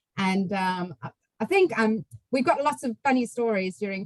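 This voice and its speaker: A woman with a strong South African accent talks at a moderate pace and medium pitch, the sound dry and close with no echo. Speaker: chief financial officer. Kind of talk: panel introduction.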